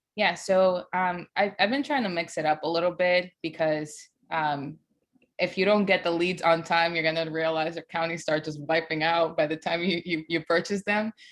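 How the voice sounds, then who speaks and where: Speaking at a moderate pace with a non-native accent, a woman uses a fairly low pitch and fairly even intonation. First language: not English. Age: 20s. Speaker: life insurance agent. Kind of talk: interview on sales training call.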